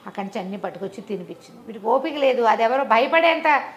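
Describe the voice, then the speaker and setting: A woman's voice: a little high, expressive, fast, lo-fi sound. A woman storyteller narrating a folk tale in a conversational, explanatory way, repeating phrases for emphasis.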